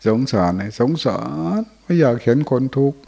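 Older monk with a gravelly, warm voice. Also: male voice, medium pitch, expressive, normal speed. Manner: folksy storytelling with chuckles. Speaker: Buddhist monk. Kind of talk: informal dharma talk. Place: monastery hall indoors.

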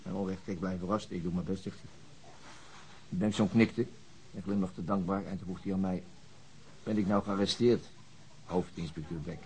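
An actor playing a weary, middle-aged chief inspector in a radio drama, gruff and dry, with hesitant, understated speech. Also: male voice, low voice, fairly even intonation, normal speed, long pauses, darkish tone, low-quality recording. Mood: wry recounting. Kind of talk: naturalistic radio drama acting.

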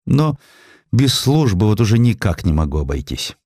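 A man's voice: fairly low pitch, sing-song, normal speed, darkish tone, no room sound, clean studio sound. A man voicing a meek, shy and modest petty clerk in an audiobook, speaking in a mild, deferential manner. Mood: modest earnestness.

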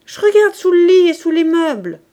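A ragged, half-mad young woman from an audiobook speaks in a shrill, raised voice, as a woman reader plays her. She sounds careless and a little wild. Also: animated, a little slow, lightly acted. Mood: offhand. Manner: shrill, loud.

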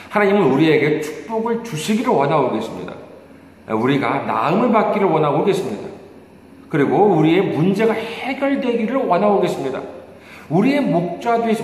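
A male pastor giving a sermon, emphatic and full of rhetorical questions to the congregation. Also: a little high. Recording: echoey hall reverb, faint noise.

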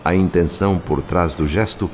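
Deep-voiced Brazilian male radio drama narrator. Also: steady tone, normal speed, darkish tone, a little hiss or hum. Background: background music.

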